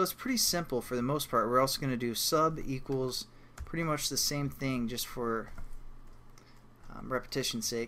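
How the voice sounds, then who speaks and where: A man with a bright, sharp tone and medium pitch speaks with long, frequent pauses. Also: ordinary pitch variation. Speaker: programming tutorial teacher. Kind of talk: tutorial. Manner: fast; casual.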